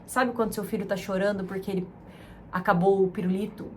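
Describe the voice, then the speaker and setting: A woman from Brazil hosting a self-help talk, speaking in a soft, soothing, emotive way that repeats words. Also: mid-range voice, level tone, brisk, a little hiss or hum. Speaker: self-help channel host. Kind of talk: gentle motivational talk.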